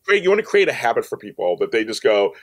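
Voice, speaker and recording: Animated middle-aged man, chatting expressively. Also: mid-range voice, quick pace. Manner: animated, talkative, self-promoting. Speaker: podcast guest, online media network owner. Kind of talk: casual chat.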